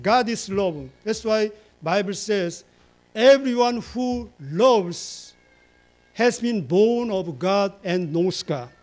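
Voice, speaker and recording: Man, sermon, high voice, slow, repeats phrases for emphasis, long spoken lists. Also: expressive, darkish tone. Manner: fillers and restarts, lists in long chains. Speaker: pastor.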